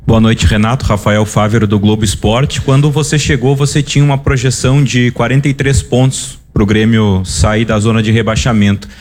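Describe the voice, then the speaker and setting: Brazilian sports reporter asking questions. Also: male voice, medium pitch, steady tone, normal speed, few pauses, a little mellow. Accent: Brazilian Portuguese. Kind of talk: press conference question.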